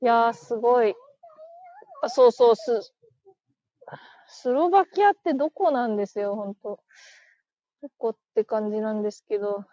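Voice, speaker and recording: A woman's voice: on the high side, normal speed, pauses often, dark tone, dry recording, muffled recording. A woman hosting a casual live stream, chatting, laughing and reading listener comments aloud as she thanks each viewer. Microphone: phone.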